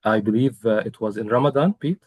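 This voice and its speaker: A young man from Egypt shares his own experience as a coaching client in an interview. He speaks in a somewhat low voice, earnest and measured, with frequent pauses and fillers, and the recording is dry and close. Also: a little mellow, slightly rough, dry recording. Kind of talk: testimonial interview.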